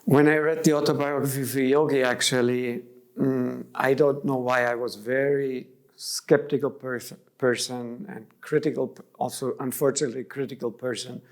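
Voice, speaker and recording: The middle-aged German guest delivers his thoughts flatly, at a moderate pace and in a mid-range voice. He's being interviewed and speaks reflectively, restarting phrases partway through.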